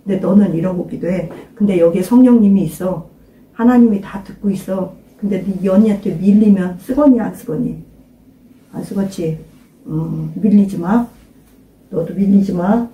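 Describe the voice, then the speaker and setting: An older woman pastor delivers an informal sermon to a small congregation in a mellow, medium-pitched voice at a moderate pace. She emphatically questions her listeners and urges them to pray aloud. The mic sits at a distance, picking up a roomy echo.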